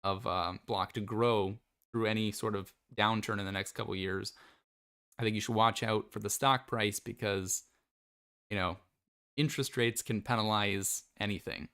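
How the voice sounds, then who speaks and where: A man's voice: on the low side, steady tone, normal speed, fairly bright tone. A man giving casual, off-the-cuff commentary on a company's earnings report, thinking aloud with plenty of fillers. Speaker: stock commentator.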